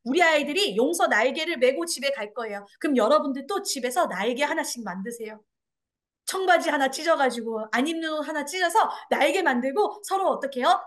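A woman's voice: sits high, animated, brisk. A woman teaching a parenting class, acting out dialogue in exaggerated voices and quizzing her audience. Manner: asks the audience questions and answers them. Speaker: parenting education lecturer. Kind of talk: lecture to parents and children.

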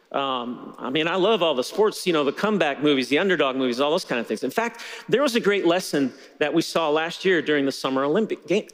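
A middle-aged man preaching a sermon from a church stage on a headset mic, telling stories in a relaxed conversational way. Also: high voice, in a large hall. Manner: conversational storytelling with laughter. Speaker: pastor.

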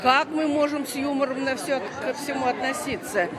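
A woman's voice: sits high, level tone, moderate pace. A woman in her sixties, a festival participant, giving an on-the-spot interview into a reporter's microphone. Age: 60s. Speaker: amateur comedy team member. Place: theatre stage, handheld reporter mic. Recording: loud crowd chatter behind.

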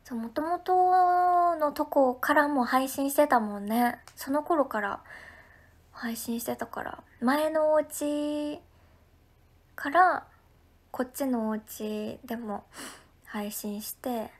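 A woman with an Ehime accent, chatting casually on a livestream and reading out viewer comments. She is friendly and talkative and often drops into soft, breathy asides. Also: high voice, slow. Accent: Ehime Japanese. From Ehime, Japan.

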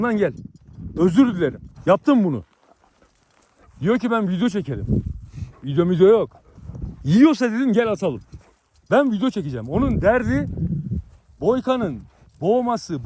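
A man's voice: high voice, a little mellow, slight background noise. A man vlogger, delivering a heated, boastful rant with crude insults at his viewers.

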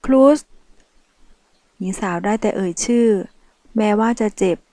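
A woman reading a dramatic novel aloud in a steady storytelling voice. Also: mid-range voice, brisk, no echo. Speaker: audiobook narrator. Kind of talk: scripted novel narration.

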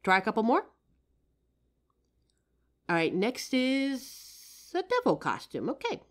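A woman playing a kind, playful psychic who gently helps a ghost in an audio roleplay. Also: mid-range voice. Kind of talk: audio roleplay addressed to the listener.

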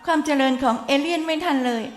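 High-voiced woman with an Isan accent. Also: fast. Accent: Isan Thai. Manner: earnest, cautionary, lecturing tone. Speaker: online news commentator. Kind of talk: moralizing commentary. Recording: echoey room with long reverb and faint music.

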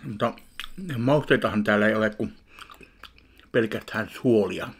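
A man in his thirties reviewing a ready meal in his home kitchen, talking slowly and deadpan between bites into a webcam. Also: lowish voice, a little hiss or hum. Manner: unhurried, chewing between remarks, deadpan. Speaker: food vlogger. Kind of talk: casual eating review. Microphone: webcam at arm's length.

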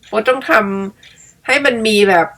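A woman's voice: measured pace, a bit bright. A middle-aged woman chatting casually and playfully as she tells a story of her own, laughing at herself. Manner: chatty, self-mocking, laughs often. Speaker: storyteller and vlogger. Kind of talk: casual storytelling while editing pictures.

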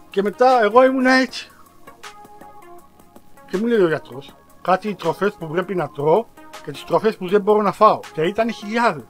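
A man vlogging in a casual storytelling style, animated and self-mocking, who talks straight to his viewers with slang and big exaggerated outbursts. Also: a little high.

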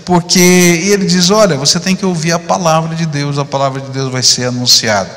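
In a fairly quick, fairly bright voice pitched fairly high, a middle-aged pastor preaches with fairly even intonation. He speaks conversationally into a handheld mic on a large church auditorium stage, often using tag questions, and the hall reverb is long.

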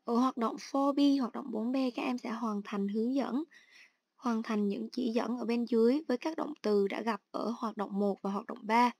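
A woman teacher calmly explaining an online English exercise step by step. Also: fairly high pitch, moderate pace, gravelly, no echo. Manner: steady instructional, explains each step. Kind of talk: online lesson narration.

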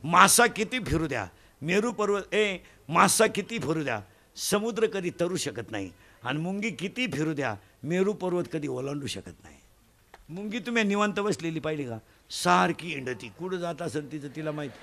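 A kirtan preacher from Maharashtra gives a comic devotional sermon, animated and full of loud bursts and mimicry of village folk. His voice is on the high side, and he speaks at a normal speed.

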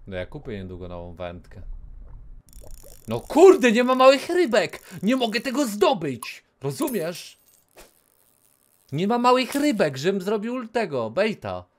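Lively excitable male game streamer. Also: high-pitched, unhurried. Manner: excitable, swears, yells at the game, then drops to a whisper. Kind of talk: casual live gameplay commentary. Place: small room indoors. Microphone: headset.

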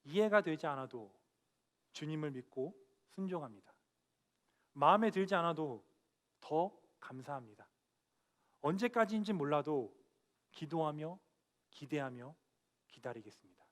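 A young man with a high-pitched voice delivers a church sermon. He speaks earnestly and with emphasis, sinking to a quiet tone and then lifting again as he drives home each point. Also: animated, unhurried, pauses often. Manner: earnest, emphatic, dropping soft then rising on key points. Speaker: preacher. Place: church sanctuary.

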